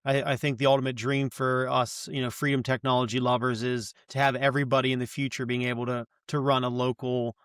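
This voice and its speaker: A man speaking as a podcast guest, enthusiastically giving advice and quickly agreeing with the others. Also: medium pitch, little pitch movement, a bit bright, clear, resonant tone, dry recording, studio quality. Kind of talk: casual podcast chat.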